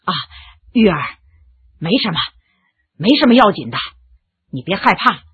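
A woman voicing a calm, kindly gentleman who talks in a gentle, measured, husky voice. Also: fairly high pitch, highs cut off, heavily acted. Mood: soothing.

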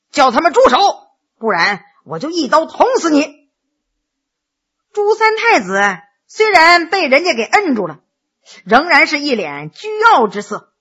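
明亮生动的女评书艺人. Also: female voice, high voice, a bit bright. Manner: vivid, rhythmic narration. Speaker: storyteller. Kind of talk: Chinese pinghua storytelling.

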